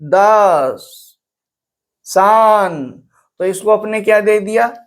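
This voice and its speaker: A man's voice: high-pitched, drawn-out words. A man teaching English poetry, explaining verse meter and rhyme scheme. He switches between Hindi and English and repeats key terms for emphasis.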